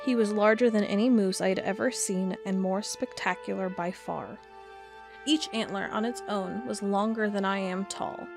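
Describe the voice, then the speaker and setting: A woman playing an earnest cryptid blogger, telling a first-person account in a measured storytelling way for an audio drama. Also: medium pitch, steady tone, vocal fry, music in the background, natural voice. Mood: awed. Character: earnest female cryptid blogger, awed amateur monster hunter.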